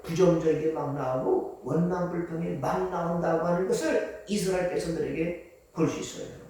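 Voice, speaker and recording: A man's voice: high-pitched, mellow. A man preaching a sermon as pastor, emphatic and firing rhetorical questions at the congregation. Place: church sanctuary. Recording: very echoey church hall, from far off.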